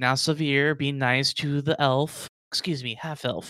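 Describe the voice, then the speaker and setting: A man's put-on robotic character voice, fairly high in pitch, at a moderate pace. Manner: scolding.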